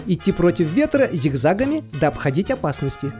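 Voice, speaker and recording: Male, highish mellow voice, very animated, droll mock-dictionary lecturer, faint music underneath. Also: a little fast. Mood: mock-didactic. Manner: mock-didactic, playful. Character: droll narrator reading a mock sea dictionary. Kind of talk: scripted humorous definitions in an audio play.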